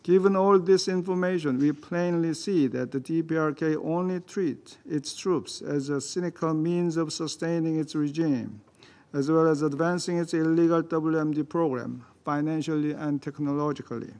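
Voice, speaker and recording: A man whose first language is Korean, reading a formal prepared statement as a delegate to a security council, in a measured, deliberate way. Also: fairly high pitch, fairly even intonation, darkish tone. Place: council chamber.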